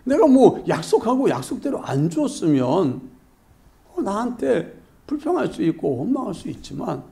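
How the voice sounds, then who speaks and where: A preacher playing a firm, reasoning landowner. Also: male voice, sits high, sing-song, normal speed, gravelly, warm tone, pitched above the performer's own voice, exaggerated voice. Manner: reasoning, patiently arguing back. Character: calm firm landowner defending his fairness.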